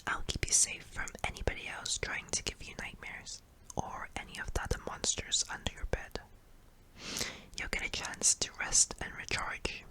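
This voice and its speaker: A performer voicing a kindly, apologetic sleep paralysis demon in a soft, hesitant, breathy whisper for an ASMR roleplay. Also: normal speed, rough recording. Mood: apologetic, gentle.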